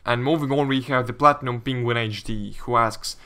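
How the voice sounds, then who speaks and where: A man's voice: mid-range voice, fairly even intonation, brisk, sharp tone, clear, resonant tone. A young man with a Latvian accent casually commentating, reading viewer questions and answering them as a gaming YouTuber.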